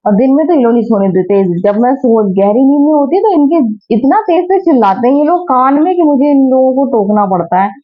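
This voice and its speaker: A woman's voice: high-pitched, expressive, a little fast. Sleepy chatty woman vlogging at home. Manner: chatty, talks to viewers and her children. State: sleepy and tired. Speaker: family vlogger. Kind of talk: casual home vlog narration. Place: bedroom at home. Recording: dull lo-fi phone audio.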